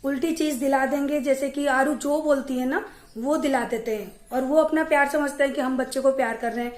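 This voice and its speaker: A young woman vlogging from her home, chatting to camera and telling stories in a lively way. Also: high-pitched, a little fast, reverberant. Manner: chatty, animated storytelling. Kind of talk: casual chat to camera. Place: at home, indoors.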